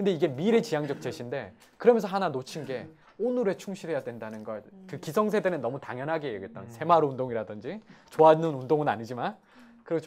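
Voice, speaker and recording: Over light background noise, a man with a fairly high pitch talks at a very fast pace with very wide pitch swings. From South Korea. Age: young. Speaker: company CEO and author; guest. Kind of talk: talk show interview. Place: studio. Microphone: lapel.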